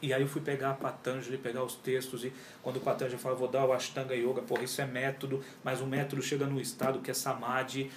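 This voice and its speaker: A man's voice: medium pitch, fast talker, hardly any pauses, slight background noise. A man, a yoga teacher telling his story in a casual, slangy interview. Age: 40s. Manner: animated and slangy, often says cara and pô. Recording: roomy echo.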